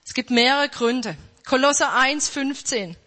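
A woman preaching a sermon with emphatic repetition, slowing down to stress quoted verses. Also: high voice, pushed and bright. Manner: emphatic, repeats key phrases, slows down for quoted verses. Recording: reverberant hall.

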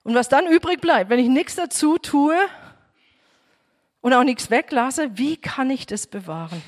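A woman's voice: high-pitched, lively intonation, a little slow, big-room sound. A woman teaching a home bible group, speaking earnestly and addressing her listeners directly.

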